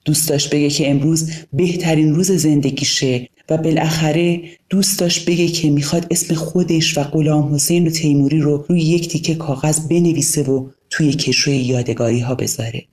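A woman narrating an audio storybook in a calm, measured reading style. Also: deep voice.

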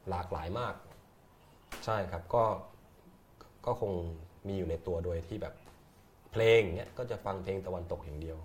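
A man's voice: deep voice, normal speed, long pauses, darkish tone. A man, a theatre director, talking casually in an interview, rambling and repeating words as he thinks aloud. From Thailand.

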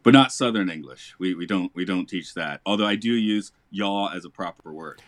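Low-voiced guy chatting on a podcast, lots of laughs and restarts, dry close mic. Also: moderate pace, dry recording. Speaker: podcast host, English teacher. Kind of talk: casual podcast chat. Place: lives in Japan.

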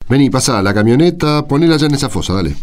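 An actor with an Argentine accent playing a friendly, easygoing mechanic in colloquial radio drama dialogue. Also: male voice, mid-range voice, animated, quick pace, lightly acted. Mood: brisk, welcoming. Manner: colloquial, tags questions with "eh". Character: friendly, easygoing working mechanic, a young father.

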